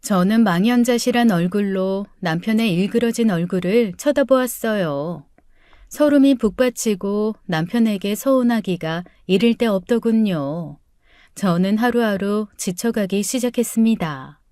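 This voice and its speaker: A middle-aged woman reading a first-person life story as an audiobook, in a measured, earnest tone. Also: medium pitch, mellow, no room sound, studio quality. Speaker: story narrator.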